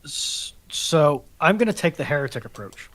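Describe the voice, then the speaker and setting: A man on a casual panel chat, speaking with dry, deliberate and wordy emphasis. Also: fairly high pitch, sing-song, a bit bright, low-quality recording.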